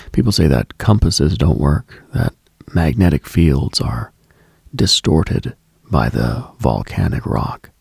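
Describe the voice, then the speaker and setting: A man hosting a late-night mystical radio monologue in a hushed, musing, ASMR-like way, with frequent pauses and a husky, breathy, gravelly voice. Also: low voice, no echo, clean studio sound. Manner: hushed, musing, pausing often.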